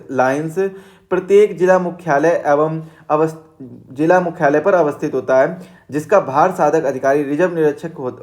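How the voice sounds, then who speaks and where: A man's voice: on the high side, a little mellow. A man teaching exam material, reading formal rules aloud and restarting words as he adds reminders to remember them. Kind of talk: reading and explaining study notes.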